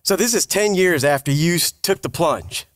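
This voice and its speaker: A man co-hosting a podcast in casual interview chat, halting, informal and jokey. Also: on the high side, animated, no echo, studio quality. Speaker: podcast co-host.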